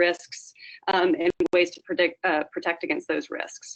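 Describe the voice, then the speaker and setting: Lively intonation marks this woman's speech. Her pitch sits in the medium range. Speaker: energy program participant. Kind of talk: webinar presentation. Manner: fast; hesitant, many fillers.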